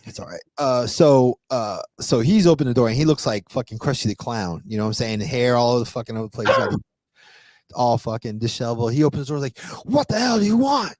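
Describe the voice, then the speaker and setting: A man telling a rambling, profane party story as a podcast guest, in a casual animated way. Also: medium pitch, fast, dry recording.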